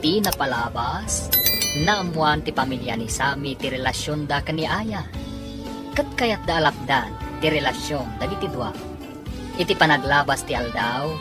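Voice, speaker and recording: A woman announcing and narrating a radio drama in a scripted, dramatic style. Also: low-pitched. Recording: music behind the voice. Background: music.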